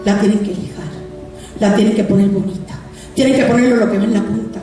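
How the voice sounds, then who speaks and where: A woman's voice: medium pitch, fast. A woman pastor giving a testimony sermon, acting out her conversations with God. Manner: animated, acts out dialogue with God. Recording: echoey hall, distant mic, music.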